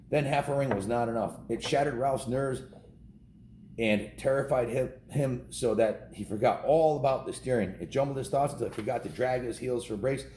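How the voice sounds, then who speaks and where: A warm, medium-pitched voice belongs to an American man in his fifties who is reading a kids' book aloud to children. His folksy, informal style includes casual asides, frequent repeats and small self-corrections. The recording is echoey, with faint noise behind him.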